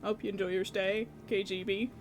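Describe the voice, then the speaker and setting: A woman's voice: mid-range voice, fairly even intonation, brisk, a little hiss or hum, poor audio. A woman streamer chatting casually in a laid-back, rambling way during a live stream. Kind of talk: casual livestream chat.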